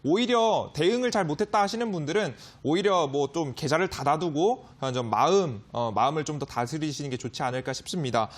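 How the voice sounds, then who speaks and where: A man lectures on stocks as a broadcast guest, his voice riding fairly high and swinging widely in pitch. He hammers his points emphatically and fills the gaps with little hesitation sounds. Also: fairly quick, hardly any pauses. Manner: animated, emphatic, frequent fillers. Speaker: stock market expert guest.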